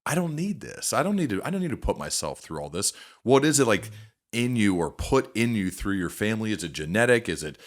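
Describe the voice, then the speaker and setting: Low-voiced male podcast interviewer. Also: very animated, fairly quick. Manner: engaged, thinks aloud in long, layered questions. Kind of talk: conversational interview questioning.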